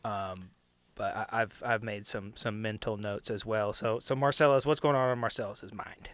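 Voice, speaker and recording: A man's voice: fairly low pitch, fairly even intonation, normal speed, fairly bright tone, no echo. Crude joking man playing a tabletop game. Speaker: player.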